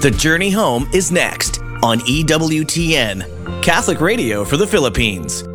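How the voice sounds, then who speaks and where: A man's voice: a little high, very animated, normal speed. A man reading a radio promo with emphatic delivery. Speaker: promo announcer. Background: music.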